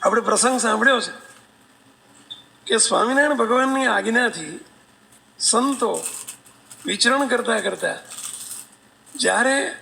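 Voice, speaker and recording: A man telling a devotional story as a sermon, animated, acting out voices and asking listeners questions. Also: very high voice, unhurried, vocal fry, long pauses, a little hiss or hum, poor audio. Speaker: religious storyteller.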